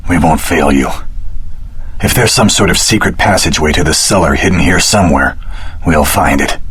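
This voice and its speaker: A man playing an earnest, determined swordsman hero in a video game, speaking in a measured, serious way with a husky voice. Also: rumbling low, a bit bright, full character voice. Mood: calm, determined. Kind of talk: video game voice acting, cutscene dialogue.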